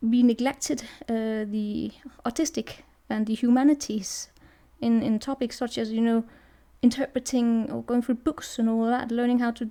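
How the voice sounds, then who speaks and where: A woman with a Danish accent speaks at a moderate pace and a fairly high pitch, her intonation monotone and flat and her tone dark and mellow. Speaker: tarot reader. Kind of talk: tarot reading monologue. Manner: halting, many restarts and fillers.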